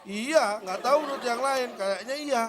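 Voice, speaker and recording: Man, heckling comedy panelist, very high lively voice, noisy background. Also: normal speed, a crowd in the background. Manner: needling, argumentative interjections.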